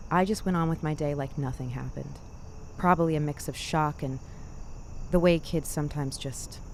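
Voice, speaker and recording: A woman hosting a scary story show, narrating a scripted bedtime tale in a measured, deliberate way with dramatic pauses. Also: low voice, darkish tone, slight background noise. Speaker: host of a spooky story podcast.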